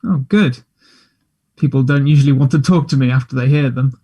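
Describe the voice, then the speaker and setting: A man's voice: medium pitch, brisk, warm tone, slightly rough, natural voice. A man acting a chatty, self-deprecating gay teenage schoolboy in a table read, hesitant, earnest and teasing. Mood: candid, vulnerable. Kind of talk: play table read, naturalistic dialogue.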